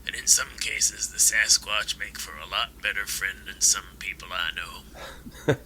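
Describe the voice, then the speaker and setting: An actor playing a kindly, folksy old man in an audio drama, talking in an unhurried way. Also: lowish voice, sharp tone, a little hiss or hum, poor audio. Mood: warm, reflective. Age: older.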